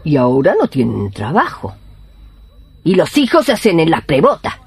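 A woman's voice: low voice, huge pitch swings, normal speed, slightly rough, no echo, full character voice. A woman playing a bossy, tender old village healer with an Argentine accent and a folksy, scolding way of talking, in a radio drama. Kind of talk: Spanish-language radio drama acting.

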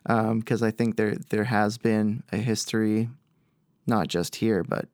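A man's voice: fairly low pitch, steady tone, a little slow, darkish tone, no room sound, studio quality. A man guest-hosting a local music show, asking questions in a thoughtful, conversational way with some hesitations. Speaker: guest host. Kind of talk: casual interview questions.

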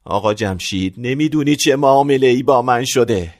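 A man's voice: medium pitch, no room sound, clean studio sound, natural voice. An actor playing a stingy, scheming middle-aged father in a radio play, switching from blustering to wheedling. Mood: pleading, bitter. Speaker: father of the bride.

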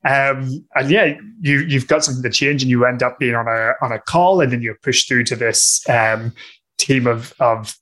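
A Northern Irish man speaks as a podcast guest with a bright, forward voice. He explains at an easy conversational pace, stopping often with fillers and restarts as he works through his thoughts. His delivery is relaxed and unscripted. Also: mid-range voice, moderate pace, rough recording. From Northern Ireland. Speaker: guest discussing customer success. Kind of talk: conversational interview answers.

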